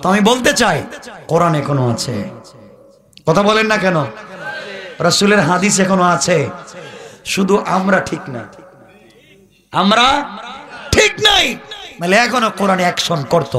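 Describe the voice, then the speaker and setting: A male preacher with a high, bright voice gives a sermon. He tells his stories low and close, then rises into loud, chanted shouts. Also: animated, a little slow, long pauses. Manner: swings from low storytelling to shouted, sing-song climaxes. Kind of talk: Bengali waz sermon.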